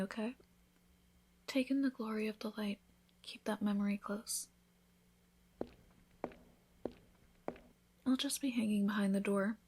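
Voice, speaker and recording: A woman playing a devoted newlywed vampire wife in an intimate ASMR roleplay, speaking softly, often in a whisper, with an affectionate, reassuring manner. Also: mid-range voice, a little hiss or hum, close to an everyday voice. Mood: gentle, reassuring. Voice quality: soft, breathy, often whispered.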